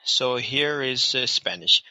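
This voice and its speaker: A man with a South Asian accent walks through an app in an informal tutorial style. His voice is middle-pitched and strikingly bright and sharp, recorded dry and close. He instructs step by step, repeating himself and checking in. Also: expressive, slow, creaky, dry recording, muffled recording. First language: Hindi or Urdu. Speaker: app reviewer and tutorial host.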